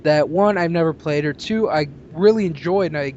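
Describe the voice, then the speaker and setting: A man's voice: on the high side, a little fast, darkish tone. A young man hosting a casual discussion of gaming news. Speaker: podcast host. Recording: muffled audio with faint background noise.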